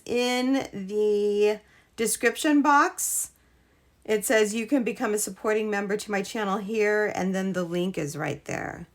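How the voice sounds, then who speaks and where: A woman hosting a casual live crochet stream, chatting with viewers, her voice a little hoarse from a cold. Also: mid-range voice. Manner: chatty, greets viewers, trails off and restarts. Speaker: crochet livestream host.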